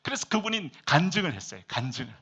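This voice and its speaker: Bright-voiced Korean pastor preaching emphatically. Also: male voice, on the high side, very animated, quick pace, breathy edge, dull audio. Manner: emphatic preaching with rhetorical questions and swings between loud and soft. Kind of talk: sermon. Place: church service.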